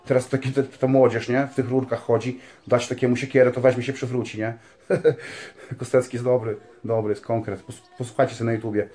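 A man's voice: medium pitch, flat delivery, a little fast, mellow. A man speaking earnestly in a casual spiritual monologue, rambling with many fillers and tag questions and calling his listeners dear ones. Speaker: religious vlogger.

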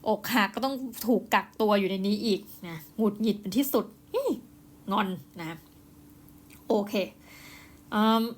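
A woman hosts a relaxed book review, chatting in an easy mid-pitched voice. She talks straight to her listeners and slips into quick acted lines from the story as she retells it. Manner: chatty, acts out quotes, addresses listeners. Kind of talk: casual book talk.

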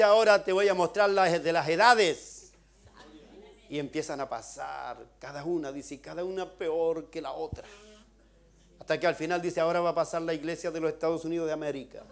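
A Chilean man preaching from a church pulpit, his voice sitting a little higher than most men's. He narrates a vision in a steady storytelling cadence, then climbs to shouted, impassioned calls. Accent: Chilean Spanish. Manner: retells a vision with many "dice", builds to shouted pleas. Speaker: pastor. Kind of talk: sermon.

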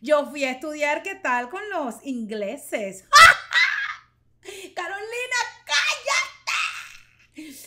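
A woman in her forties hosting a podcast, telling stories in a casual, animated way with lots of laughter, recorded on a studio microphone. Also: high voice. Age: 40s. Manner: animated, laughing, gesturing with both hands. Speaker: podcast host. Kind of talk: casual storytelling monologue. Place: small studio with purple backdrop. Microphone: studio microphone with headphones.

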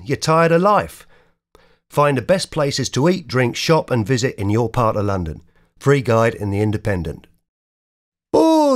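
A man who works as a voice-over actor, reading scripted ads, verse and prose in a polished, theatrical way. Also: mid-range voice. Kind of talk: voice-over demo reel of ads, poems and dramatic readings.

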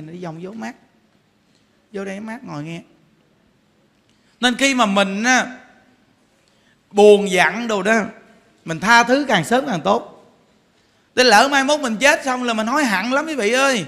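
A man's voice: extremely high pitch, gravelly, sharp tone. A man with a Southern Vietnamese accent, a Buddhist monk preaching a folksy sermon to lay followers and often asking them rhetorical questions. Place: temple hall.

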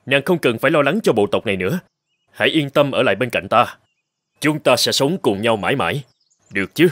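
A man playing a proud young tribal warrior posing as a god in an animated folktale, commanding and protective. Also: mid-range voice, fairly quick, no room sound, clean studio sound. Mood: tender, assured. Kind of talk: dubbed animated folktale acting.

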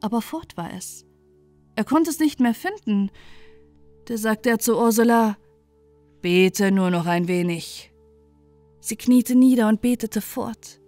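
A woman's voice: fairly high pitch, a little slow, dark tone, dry recording. A woman narrating a scripted bedtime fairy tale as a storyteller. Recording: music bed under the voice.

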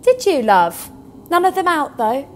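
An actress playing a kindly, encouraging research scientist in a naturalistic audio drama. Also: female voice, high-pitched, very animated, a little slow, slight background noise. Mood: bright, friendly.

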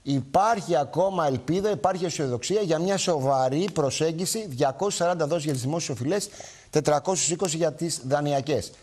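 A man's voice: a little high, a little mellow. A man hosting a live television talk show, speaking emphatically to viewers and repeating his points.

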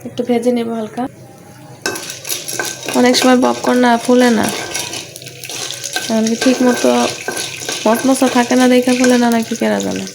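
A woman's voice: fairly high pitch, level tone, moderate pace, creaky, pauses often, noisy background. A woman in her thirties with a Gazipur Bangla accent, chatting to viewers as she cooks in her home kitchen. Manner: chatty, explains each dish to viewers. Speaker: mother and home cooking vlogger. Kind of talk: casual home vlog narration.

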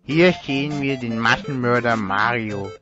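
A man's voice: medium pitch, measured pace, close to an everyday voice. A man playing a grave, indignant crusader against violence, presenting a mock TV report in a cartoon satire. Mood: grave, alarmist. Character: alarmist male anti-video-game TV crusader, grave and indignant. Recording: dull recording over loud music.

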